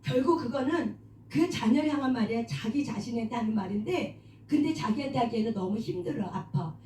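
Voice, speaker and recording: A woman leads a sermon in a high voice. She keeps asking the listeners questions and answers them herself, often calling for an amen. She sounds a little distant from the mic, in an echoey room. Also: expressive, fairly quick, warm tone, slight background noise. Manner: asks the audience questions and answers them, calls for amens. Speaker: prayer meeting leader. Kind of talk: sermon on self-forgiveness.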